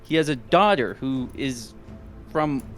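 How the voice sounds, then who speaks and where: A man co-hosting a podcast, talking casually in an animated, exasperated way. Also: mid-range voice, measured pace, soft background music. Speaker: podcast co-host. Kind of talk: casual chat.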